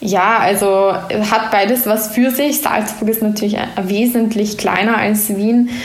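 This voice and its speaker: Amid noticeable background noise and audible room echo, a woman with a Viennese accent speaks very slowly at a fairly high pitch, her intonation fairly even. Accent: Austrian (Viennese). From Austria, Vienna. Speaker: podcast host and music journalist. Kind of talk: casual interview chat.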